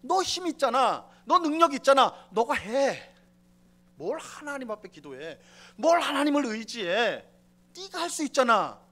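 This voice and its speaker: A man's voice: extremely high pitch, sing-song, a little slow, fairly bright tone, voice pushed up, full character voice. A man voicing a sly male devil who mocks and goads a listener to give in, pushing harder with each line. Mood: goading. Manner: mocking, goading, insistent.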